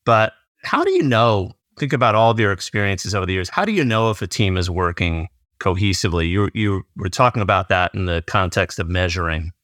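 Bright, dry-sounding eager male host. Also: low-pitched, very animated, brisk, hardly any pauses, no room sound. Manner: eager, long wordy questions. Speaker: podcast host. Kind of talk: hosting an interview.

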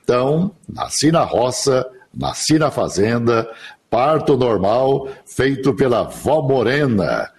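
An older man from the interior of São Paulo, a radio announcer telling his life story in a relaxed, chatty interview over a remote link. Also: mid-range voice, slow pace, gravelly, husky. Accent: Brazilian Portuguese, São Paulo interior. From interior of São Paulo state, Brazil. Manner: chatty, laughs easily, rambling anecdotes. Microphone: remote online recording.

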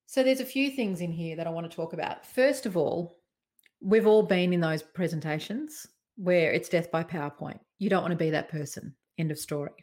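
A woman giving presentation tips in a conversational, expressive way, varying her tone and emphasis. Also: fairly low pitch, moderate pace. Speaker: presentation coach. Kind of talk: talking-head presentation tips.

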